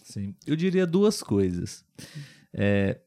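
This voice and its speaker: A Brazilian man hosting a casual chat podcast for language learners, speaking clearly and in a friendly way. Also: on the low side, big pitch swings, takes it slowly, mellow. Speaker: podcast host.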